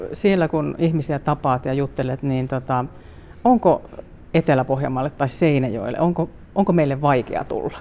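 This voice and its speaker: Noticeable background noise is present. Long, frequent pauses mark the delivery. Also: fairly slow pace. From Finland. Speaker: radio interviewer. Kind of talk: interview.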